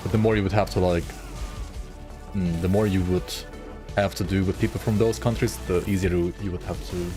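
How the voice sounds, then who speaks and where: A man's voice: low voice, fairly even intonation, brisk, music in the background. A man streaming a game, chatting casually and rambling with his viewers as he thinks aloud. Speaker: gaming livestreamer. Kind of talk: casual chat with viewers while gaming.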